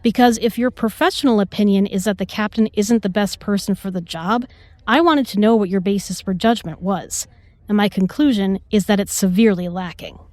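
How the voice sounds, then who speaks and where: A woman's voice: medium pitch, fairly quick, a little mellow, dry recording, natural voice. A woman acting a self-assured, protective starship doctor in a sci-fi audio drama, composed and pointed in her delivery. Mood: cool, cutting.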